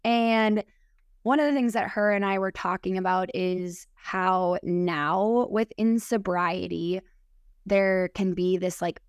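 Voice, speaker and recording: A woman's voice: fairly low pitch, clean tone, no room sound, clean studio sound. A woman in her early thirties with an American Midwest accent, reflecting casually and earnestly as a podcast guest, often dropping in "like". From Minnesota, United States. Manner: earnest, filler-heavy with frequent "like". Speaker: podcast guest, sober group leader. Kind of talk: casual personal reflection in conversation.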